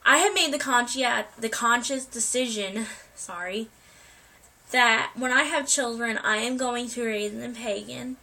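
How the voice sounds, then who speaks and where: Bright-voiced young woman with a cold. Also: a little high, a little slow, gravelly, poor audio. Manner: rambling, many ums and restarts. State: getting over a cold, coughing. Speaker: vlogger. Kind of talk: casual life update to viewers.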